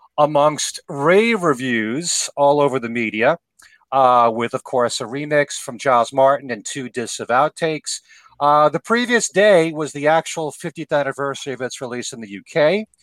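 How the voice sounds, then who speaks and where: A man with a plain, everyday voice talks at a moderate pace and a fairly high pitch, with lively intonation, big swings in loudness and a dry, close sound with no echo. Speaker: syndicated radio host. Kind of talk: casual panel discussion. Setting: video call.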